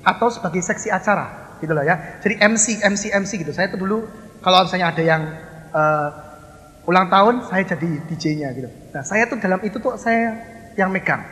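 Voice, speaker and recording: A man's voice: high voice, fairly quick. A male pastor, telling a story in a sermon and acting out the dialogue. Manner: animated, acts out dialogue, addresses listeners as Saudara. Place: large worship hall. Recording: hall reverb.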